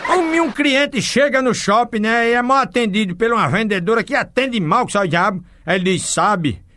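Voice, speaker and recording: A man telling a string of jokes, acting out the characters' lines and laughing at his own punchlines. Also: brisk. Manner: lively, breaks into high unvoiced laughs after punchlines. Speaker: joke teller.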